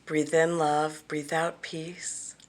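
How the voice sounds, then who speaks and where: Woman, lowish voice, very slow delivery, guided visualization, gentle, deliberate, long pauses. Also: flat delivery. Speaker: guided meditation leader. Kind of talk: guided visualization, soothing meditation narration.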